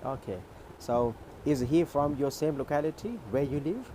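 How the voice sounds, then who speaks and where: A man from Maharashtra with an Indian accent, a native Urdu speaker, tutoring English on a video call in a measured, explanatory way. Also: a little high, expressive, dark tone, a little hiss or hum. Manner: measured, explanatory, checks in with "okay". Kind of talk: conversation practice on a video call.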